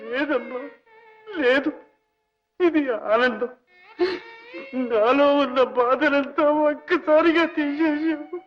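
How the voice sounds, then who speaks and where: A weeping, ruined old millionaire. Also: male voice, high voice, very animated, measured pace, long pauses. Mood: weeping gratitude. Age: older. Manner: choked, grieving and self-pitying. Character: ruined old millionaire with leprosy, broken and tearful. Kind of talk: old film melodrama. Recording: dull old film soundtrack with faint music.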